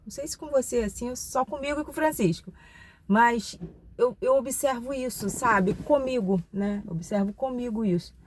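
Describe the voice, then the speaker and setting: A woman's voice: a little high, moderate pace, slight background noise. A Brazilian woman in her forties, talking to her viewers in a reflective, confiding way with many tag questions. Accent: Brazilian Portuguese. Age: 40s. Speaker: channel host. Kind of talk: casual personal vlog talk.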